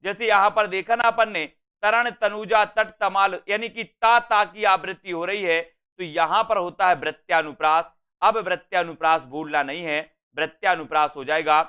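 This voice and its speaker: A man from India teaching an exam-prep lesson in a high, bright voice. His tone is smooth and clear. He repeats key points and often checks in with his listeners, and he slows down to recite lines of verse. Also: fairly even intonation. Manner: repeats points, keeps asking "है ना?".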